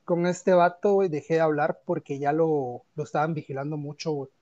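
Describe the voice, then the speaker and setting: A man's voice: on the high side, fairly even intonation, fairly quick, warm tone, highs cut off. A man with a Mexican accent chatting casually and telling personal anecdotes in informal, slangy speech.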